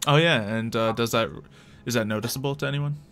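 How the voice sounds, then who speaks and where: Casual male game master, mid-pitched voice. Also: a little fast, fairly bright tone, smooth, faint music behind. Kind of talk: casual improvised tabletop game narration.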